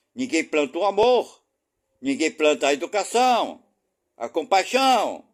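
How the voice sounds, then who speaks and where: A man with a Brazilian accent speaks very slowly at a high pitch, leaving long, frequent pauses. His pitch swings very widely, and the recording is very clean with a silent background. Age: 60s. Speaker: spiritist study channel host. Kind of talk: religious study commentary. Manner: animated; halting.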